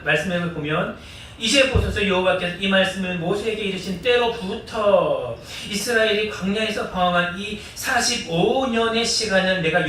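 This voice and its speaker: A man's voice: high voice, a bit bright, slight background noise. A man pastor preaching a sermon in a church, leading the congregation in call-and-response. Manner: earnest preaching with repeated call-and-response prompts. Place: church sanctuary. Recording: echoey church hall, distant mic.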